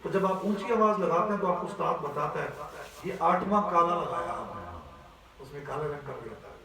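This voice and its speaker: A man with a fairly high voice teaches a Quran recitation class, explaining step by step and often checking that his students follow along. The low-quality classroom recording is very echoey, with him far from the mic and crowd noise around.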